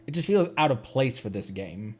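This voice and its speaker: Man rambling casually, lively pitch. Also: normal speed, slightly rough. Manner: rambling, thinking aloud. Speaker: video game streamer. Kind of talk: casual livestream gameplay chat. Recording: game music behind the voice. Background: soft game music.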